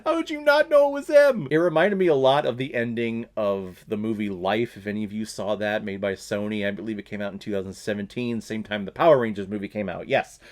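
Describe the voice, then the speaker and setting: A man's voice: lowish voice, a little fast, hardly any pauses, a little mellow. A young man hosting his own movie review channel, talking casually in a blunt, sarcastic way and swearing now and then.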